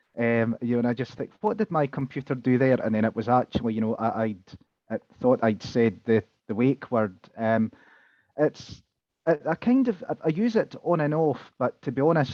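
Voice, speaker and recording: A man in a Scottish accent, medium-pitched, at a moderate pace with lively intonation. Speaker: assistive technology specialist. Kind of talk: webinar discussion.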